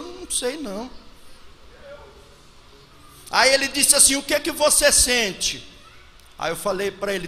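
A Brazilian man in his forties preaching a testimony sermon into a handheld microphone at a pulpit, moving from hushed storytelling to shouted praise. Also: high voice. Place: large church hall with congregation. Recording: long church-hall reverb, faint noise.

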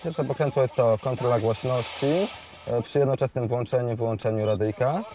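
Soft music plays behind a man in his 20s, a shop expert giving an off-the-cuff product explanation on a lapel mic. He has a medium-pitched, warm voice but speaks hesitantly, stumbling over fillers and repeating words.

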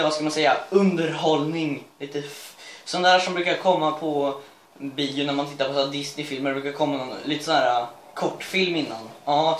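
A man's voice: a little high, a bit bright, slight background noise. A man reading his own school story aloud, rambling with self-mocking asides and laughing at his own writing. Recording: echoey room.

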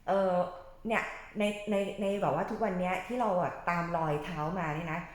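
A woman's voice: lowish voice, brisk. A woman interviewing casually in a gushing, admiring, informal way. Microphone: far camera microphone. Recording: very echoey room, mic at distance.

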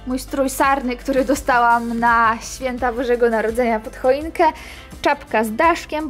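Young woman in her 20s doing a house tour vlog, high voice, handheld camera, small apartment, bit of music in the back. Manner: chatty, walking and pointing at things while talking. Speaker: vlogger. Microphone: handheld camera at arm's length.

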